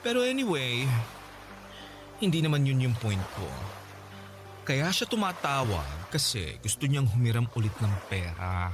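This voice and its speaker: A man's voice: medium pitch, big pitch swings, a little slow, long pauses, music in the background. An actor playing a wealthy older gay man, smug and manipulative, in a radio drama, with a teasing, sing-song delivery.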